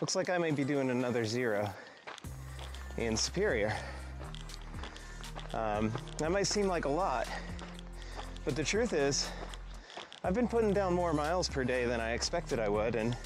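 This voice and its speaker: A man at a moderate pace with long, frequent pauses, dry and echo-free, clear music behind him. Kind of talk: casual vlog chat. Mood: grateful, upbeat. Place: open country. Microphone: phone near.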